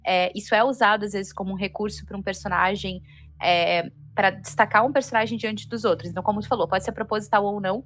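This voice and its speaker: Casting: Brazilian female panelist, quick rapid delivery, medium pitch, thoughtful casual explaining. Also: fairly even intonation, a bit bright, faint music behind. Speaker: panelist on a reaction show. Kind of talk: casual discussion.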